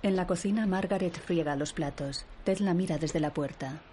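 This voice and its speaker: A woman reading scripted audio description in an even, descriptive manner. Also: on the low side, moderate pace, noisy background.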